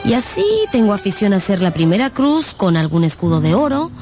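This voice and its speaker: A woman's voice: mid-range voice, big pitch swings, a little fast. An actress playing a teasing, bewitching young Gypsy fortune-teller in a radio novel, with playful, rhymed delivery. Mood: sly, coaxing. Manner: playful, sly, sing-song rhymed delivery. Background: background music.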